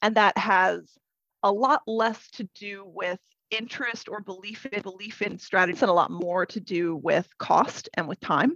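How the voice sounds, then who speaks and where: A woman with a West Coast accent, medium pitch and ordinary pitch variation, fairly slow pace, big swings in loudness, and a dry, close sound with no echo. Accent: general American, West Coast. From Idaho, US West Coast. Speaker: digital strategist, conference speaker. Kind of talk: casual interview chat.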